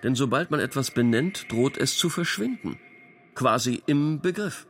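A calm, cryptic intellectual in a radio drama. He speaks in measured, unhurried phrases at a middle pitch, with faint noise in the background.

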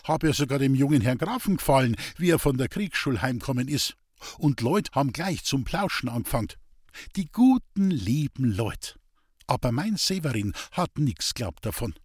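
A man's voice: mid-range voice, sing-song, normal speed, a little mellow, husky, no room sound, studio quality. A man voicing a weary, bitter old village woman speaking in Bavarian dialect in a storybook reading. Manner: plaintive, bitter, resigned.

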